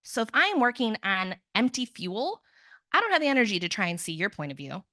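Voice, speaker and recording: Young woman counselor talking grief at a conference, bright voice, dry sound, chatty. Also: mid-range voice, very animated, brisk, no echo. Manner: conversational, self-deprecating asides, acts out quotes.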